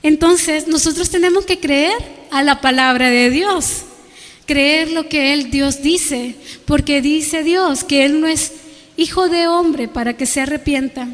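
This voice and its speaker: A woman preaching a fervent sermon in church, her voice pitched high. She keeps turning to the congregation with rhetorical questions and calls them brothers and sisters. Her words ring out with the long reverb of a church hall. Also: measured pace. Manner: addresses listeners as brothers and sisters. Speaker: guest preacher. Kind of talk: evangelical sermon.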